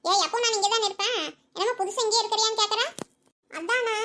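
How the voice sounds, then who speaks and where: A woman's voice: very high voice, steady tone, fast, sharp tone. A woman voicing chatty village women in a cartoon, fussing, gossiping and scolding. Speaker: cartoon character.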